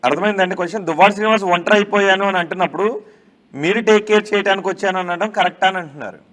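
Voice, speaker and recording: A man interviewing a guest on a news channel. He is brisk and rephrases callers' questions for the guest. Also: high voice, fairly bright tone.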